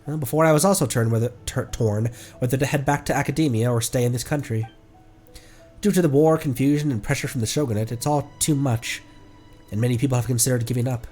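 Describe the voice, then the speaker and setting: A man voicing an earnest, pedantic academic who lectures in a halting way. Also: medium pitch, darkish tone, faint music behind, close to an everyday voice. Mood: reflective. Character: earnest, pedantic young academic of marine bones.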